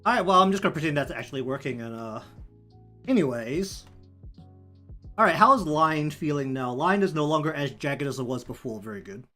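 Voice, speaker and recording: With a broad New Zealand accent, a man chats casually on a livestream while he works, rambling and thinking aloud. His voice sits on the high side and sounds animated, brisk, pushed and bright. Background music plays behind him.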